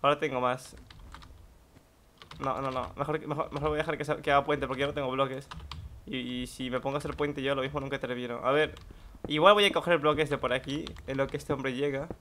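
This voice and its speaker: A young man giving live gameplay commentary, excitable, swearing and bursting into shouts. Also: mid-range voice, a little fast, slight background noise. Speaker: gaming YouTuber.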